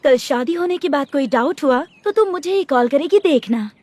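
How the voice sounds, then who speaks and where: A woman's voice: high voice, expressive, moderate pace, darkish tone. A woman dubbing a young roommate who wants to act, teasing and persuasive. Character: young female roommate, aspiring actress. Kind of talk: Hindi film dubbing.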